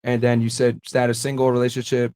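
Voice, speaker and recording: A man hosting a casual panel podcast, firing quick intake questions at guests and noting their answers. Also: medium pitch, completely flat delivery, darkish tone, clean tone. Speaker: podcast host.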